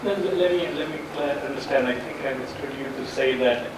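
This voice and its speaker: A man's voice: mid-range voice, quick pace. A man asking a technical question from the audience, methodically restating things to clarify. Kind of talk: technical discussion from the floor. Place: room, speaking from audience away from mic. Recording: very echoey, distant, loud background noise.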